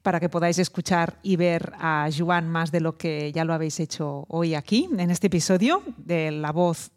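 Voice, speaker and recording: A woman's voice: sits low, moderate pace. A woman hosting a voice podcast and chatting casually, with frequent restarts and tag questions. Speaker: podcast host and voice coach. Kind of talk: casual conversational interview.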